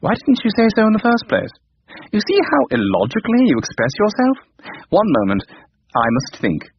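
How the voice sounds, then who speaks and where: A man's voice: mid-range voice, huge pitch swings, normal speed, a little hiss or hum. A man voicing an old, wise, pedantic male strategy computer that talks in a fussy, lecturing way, on a dull lo-fi radio recording. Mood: pompous.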